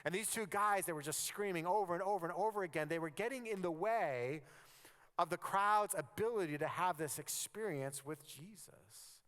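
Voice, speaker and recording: A man preaching a sermon as pastor, conversational and animated, sometimes dropping to a near-whisper for emphasis. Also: high-pitched, normal speed, clean tone. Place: church sanctuary. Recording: long reverb of a church hall.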